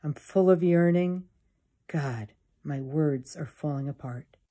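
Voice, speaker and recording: A woman's voice: deep voice, slow pace, warm tone. A woman in her sixties reading a diary aloud at home into a phone. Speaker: diary reader. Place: book-lined room at home. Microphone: phone at arm's length.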